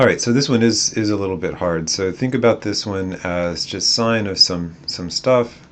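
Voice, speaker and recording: A man has an ordinary speaking voice with a fairly low pitch. His intonation is fairly even. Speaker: math teacher. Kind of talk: lecture. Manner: casual, with many fillers.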